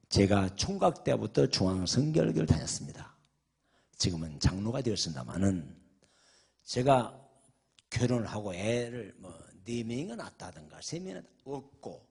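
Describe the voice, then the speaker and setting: An older male pastor preaching a revival sermon, telling a story dramatically, swinging from shouted questions to a hushed murmur. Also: mid-range voice, vocal fry, slightly rough.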